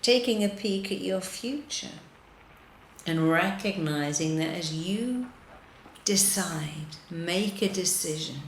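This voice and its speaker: Slow, low-voiced woman guiding meditation. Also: fairly bright tone, echoey room, slight background noise, poor audio. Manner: soothing, deliberate, repetitive instructions with pauses. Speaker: guided meditation leader, hypnotherapist. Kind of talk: guided meditation narration.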